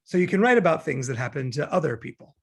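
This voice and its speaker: Guy acting cynical young know-it-all, raspy, lively pitch, needling, table read. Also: fast talker, exaggerated voice. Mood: dry, probing. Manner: sardonic, argumentative, needling. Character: cynical, glib, morbid young law graduate, male. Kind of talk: informal script table read.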